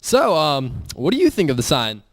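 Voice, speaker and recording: A man's voice: a little high, huge pitch swings, dry recording, studio quality. A man playing a reporter in a comic news sketch, drawing out his jokey plugs. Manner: hammy, slows down for jokey plugs. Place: TV studio.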